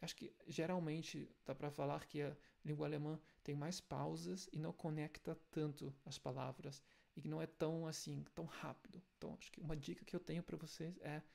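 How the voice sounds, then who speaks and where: A man with a German accent, a native German speaker, teaching German pronunciation in Portuguese, explaining step by step and repeating example sounds slowly. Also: a little high, little pitch movement, gravelly, darkish tone. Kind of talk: language lesson video.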